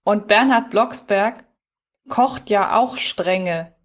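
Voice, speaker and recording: A woman's voice: mid-range voice, takes it slowly. Reflective woman chatting on a podcast. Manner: reflective, wordy, thinking aloud. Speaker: podcast co-host. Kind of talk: casual unscripted review chat.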